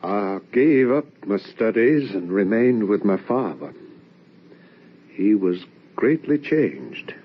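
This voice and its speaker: Earnest young son, husky old radio. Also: male voice, fairly low pitch, very animated, slow pace, full character voice. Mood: somber, brooding. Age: young adult. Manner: earnest, theatrical, questioning. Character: anguished, probing young adult son narrating a ghost tale. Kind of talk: old-time radio drama acting. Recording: dull, lo-fi old radio recording.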